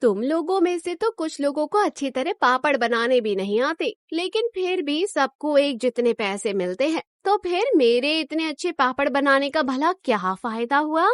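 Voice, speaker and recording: A woman's voice: high-pitched, expressive, normal speed, hardly any pauses, dry recording, clean studio sound. A woman voicing a proud, greedy village woman in a cartoon story, who talks in a boastful, indignant way.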